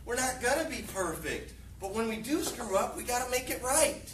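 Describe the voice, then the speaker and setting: A man's voice: very high-pitched, animated, moderate pace, slight background noise. A man leading a staff meeting, giving a fired-up motivational talk and hammering his points home with short, repeated lines. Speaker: dealership leader at a staff meeting. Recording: echoey room, distant mic.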